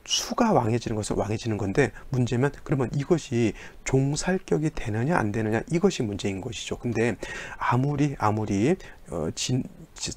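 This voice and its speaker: A man's voice: mid-range voice, slight background noise. A middle-aged man teaching saju fortune-telling in an explanatory lecture, often asking rhetorical questions. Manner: lecturing with rhetorical questions and acted-out student voices.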